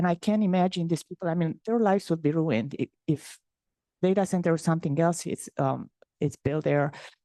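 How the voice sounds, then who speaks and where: A woman with a Romanian accent has a dark, mellow tone and lively intonation. The sound is dry and close, with no echo. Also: quiet background. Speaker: public commenter. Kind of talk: public comment at meeting. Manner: halting.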